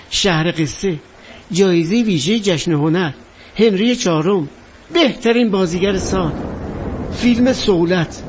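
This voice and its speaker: A man's voice: sits high, slight background noise, lightly acted. An actor playing a vain, half-mad former star who talks grandly and bitterly about his fame. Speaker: actor in a stage or film drama. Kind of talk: dramatic monologue acting.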